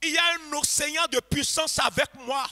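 A man preaching a revival sermon to a congregation, passionately shouting and chanting repeated phrases and leading them in prayer. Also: very high voice, fairly even intonation, normal speed. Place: church congregation.

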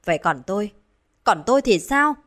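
A woman voicing a cruel, scheming middle-aged village wife who taunts in a shrill, sneering voice. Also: animated, unhurried, fairly bright tone. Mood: defiant. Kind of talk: dramatized horror storytelling.

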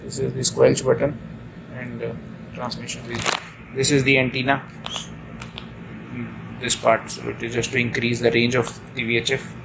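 A man talks through a hands-on demonstration in a creaky, fairly monotone voice. He goes haltingly, often restating his phrases. The amateur phone recording has clear room noise behind him. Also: mid-range voice. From India. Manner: halting, repeats and rephrases himself. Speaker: ship officer giving an equipment tutorial. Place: indoors at a chart table aboard ship. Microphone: handheld phone camera mic. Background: steady room noise.

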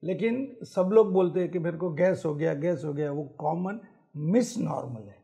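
Gravelly-voiced male cardiologist guest. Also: a little high, normal speed, warm tone. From Mumbai. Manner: mixes English phrases into Hindi, lists symptoms and risks. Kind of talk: explanatory interview answers. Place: TV studio set.

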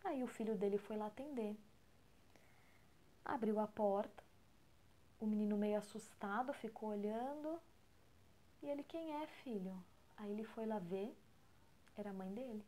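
A Brazilian woman with a Brazilian Portuguese accent, talking at home in a soft, almost whispering voice as she tells a story for a podcast. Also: mid-range voice, moderate pace, pauses often. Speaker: podcast co-host. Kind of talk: storytelling talk.

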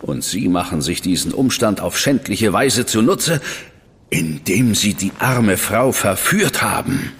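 An actor playing a stern, impatient official in a German radio drama, curt and disapproving. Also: male voice, lowish voice, sing-song, a little slow, slightly rough, long reverb tail, exaggerated voice.

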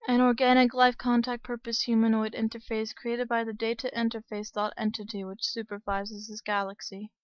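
Woman as a quiet, deadpan anime alien girl. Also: fairly high pitch, moderate pace, hardly any pauses, dry recording, highs cut off, soft background music, lightly acted. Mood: flat, detached. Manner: flat, deadpan, formal. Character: emotionless, soft-spoken alien girl in human form. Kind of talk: anime dub audition acting.

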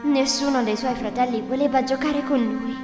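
A woman's voice: sits high, steady tone, moderate pace. A woman narrating a scripted fairy tale for children. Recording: reverberant, loud music behind.

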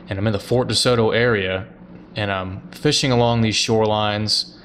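A man's voice: on the low side, fairly bright tone, a little hiss or hum. A man in his thirties hosting a fishing show, talking casually and upbeat about his catches. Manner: upbeat, plainspoken angler talk. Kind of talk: casual fishing vlog narration. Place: outdoors on a boat on open water.

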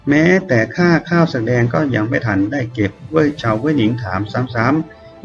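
A man narrating a novel in a steady reading voice, now and then correcting himself. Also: mid-range voice. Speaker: audiobook narrator. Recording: slightly dull recording with soft music. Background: soft background music.

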